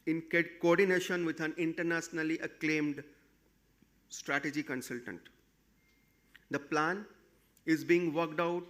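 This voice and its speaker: A man with an Indian accent, a company executive giving a formal prepared results presentation in measured, halting phrases. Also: on the high side, a bit bright.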